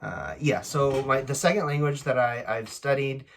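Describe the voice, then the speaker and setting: A man speaking casually and unscripted as host of a language-learning channel, often halting as he searches for his words. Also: medium pitch, lively intonation, a little hiss or hum. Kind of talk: casual unscripted introduction to camera.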